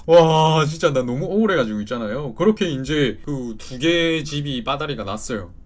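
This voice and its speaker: A young man from South Korea casually telling his viewers a story, animated, with frequent laughter. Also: mid-range voice, moderate pace. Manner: animated, with frequent laughter and sudden loud outbursts.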